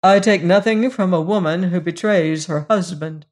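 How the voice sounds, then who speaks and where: A proud young gypsy woman of the slums, as a woman narrator plays her in a storybook reading. She speaks gravely and curtly, keeping herself in check with noble scorn. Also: on the low side, normal speed, darkish tone, natural voice. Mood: contemptuous, tranquil. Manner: curt, grave, self-controlled.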